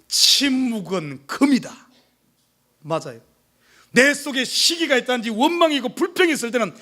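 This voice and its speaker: A male pastor preaching to his congregation, emphatic, with many rhetorical questions, swinging from urgent pleas to hushed asides. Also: extremely high pitch. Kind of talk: sermon. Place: church service.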